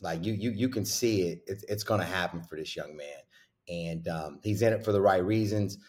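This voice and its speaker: Middle-aged man, lower-pitched voice, casual coach, slangy dude-and-bruh bro talk, repeats himself for emphasis. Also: normal speed. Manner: animated, repeats phrases for emphasis. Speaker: college basketball coach. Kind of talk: casual podcast interview chat.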